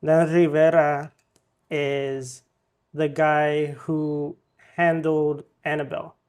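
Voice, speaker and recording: A man with a somewhat high voice hosts a podcast. He casually reads out headlines and recaps them in a relaxed way, with frequent ums and uhs. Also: slow pace, dull audio. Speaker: podcast host reading news.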